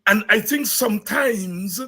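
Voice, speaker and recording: A man's voice: high-pitched, slow pace, pushed and bright, slightly rough. A Guyanese man hosting a live show, chatting casually, greeting viewers by name and repeating his words as he rambles. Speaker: host.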